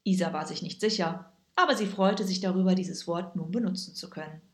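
A woman reading a children's story aloud with lively, expressive storytelling. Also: on the low side, a little fast. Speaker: narrator. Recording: echoey room.

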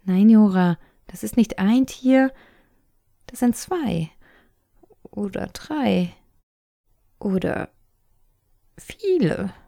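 A woman voicing a brave, quick-thinking little girl in a storybook reading, speaking eagerly and insistently. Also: no echo, clean studio sound. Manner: eager, excited, high and insistent.

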